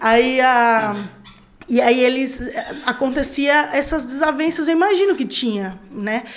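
Audible room echo surrounds a woman speaking at a fairly slow pace. Her voice is high-pitched, with ordinary pitch variation. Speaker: fan club founder. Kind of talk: casual chat.

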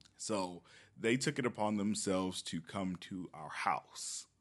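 A plain, everyday voice at a fairly slow pace with ordinary pitch variation. The background is quiet. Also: man, fairly low pitch for a man. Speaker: podcast guest.

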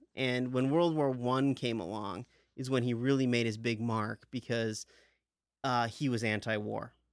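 A man with an American accent uses a normal speaking voice at medium pitch and a fairly slow pace. His intonation is fairly even, on a very clean recording with a silent background. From Minnesota. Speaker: podcast co-host. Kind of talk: casual chat.

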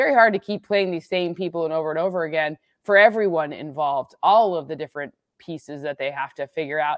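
Delivered at a very fast pace, the speech comes with a slight Midwestern US accent. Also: woman, very deep, low pitch for a woman, ordinary pitch variation. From US Midwest. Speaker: sports analytics expert. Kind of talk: casual chat. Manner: animated.

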